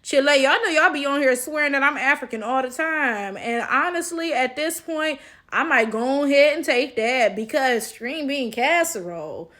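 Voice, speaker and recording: A woman's voice: sits high, normal speed, a bit bright. A woman gives casual online commentary in a sassy, incredulous, emphatic manner.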